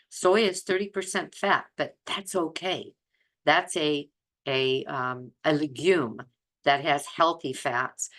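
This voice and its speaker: A woman's voice: low voice, bright, forceful tone. A woman in her seventies chatting informally to online viewers as a presenter, conversational and emphatic, repeating phrases for stress. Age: 70s. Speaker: plant-based diet presenter and group leader.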